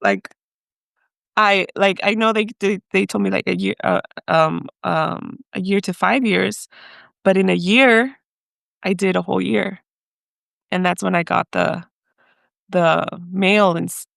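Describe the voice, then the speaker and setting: Her mid-range, steady voice is gravelly and a bit bright, and she speaks unhurriedly with frequent pauses. The studio-quality recording has no echo. Raised in the US by Mexican parents, this woman shares her own story as a podcast guest, hesitant and full of feeling, mixing in Spanish phrases.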